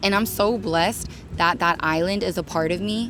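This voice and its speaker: A woman's fairly low pitch with ordinary pitch variation, moderate pace, and noticeable background noise. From Oakland, California. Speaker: vlogger. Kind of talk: personal vlog monologue. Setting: in public.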